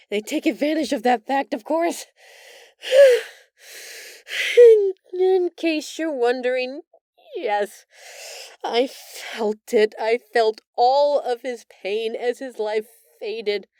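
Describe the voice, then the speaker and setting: A woman playing a gentle, empathetic female alien in an intimate audio roleplay, speaking earnestly and hesitantly with emotional pauses. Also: sits high, lively intonation, dry recording, clean studio sound. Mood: tearful, pleading. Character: gentle, remorseful female alien, empathetic, recounting her escape from captivity.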